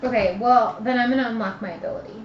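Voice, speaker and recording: Higher-voiced woman gaming, in an echoey room. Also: fast. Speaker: game player. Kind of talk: casual tabletop game chat. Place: indoor room, group around a game table. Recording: roomy, dull lo-fi live stream with noise.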